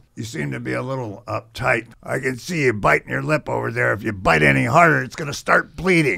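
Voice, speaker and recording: A man puts on a raspy character voice at a medium pitch, talking at a fairly quick pace. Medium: audio drama. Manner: blunt, gruff, teasing.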